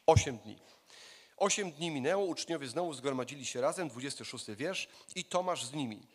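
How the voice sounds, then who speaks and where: A man's voice: mid-range voice, lively intonation, fairly quick, breathy edge. A man preaching a conversational sermon who keeps asking the congregation questions and briefly acts out voices. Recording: long hall reverb.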